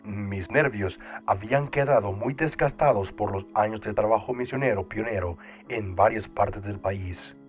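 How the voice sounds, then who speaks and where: Low-voiced man reading solemnly. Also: normal speed, hardly any pauses. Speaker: audiobook narrator. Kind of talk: scripted first-person narration. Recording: dull lo-fi sound with soft music behind. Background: soft background music.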